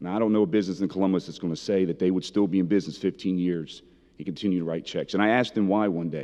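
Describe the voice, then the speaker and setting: Passionate and very fast, a man speaks in a fairly low pitch with a dark, mellow tone. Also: quiet background. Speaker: football head coach. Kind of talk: public address to city council. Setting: city council meeting. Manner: loud, passionate.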